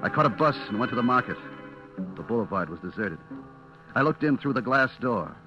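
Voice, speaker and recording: A man's voice: medium pitch, expressive, a little fast, sharp tone, dull audio. An actor playing a nervous, cornered man who tells his own story in clipped, confessional old-time radio suspense style. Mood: uneasy. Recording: vintage radio recording with music behind.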